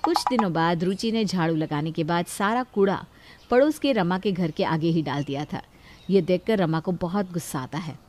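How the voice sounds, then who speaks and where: A woman narrating a family story in a calm, scripted way. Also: fairly low pitch, normal speed.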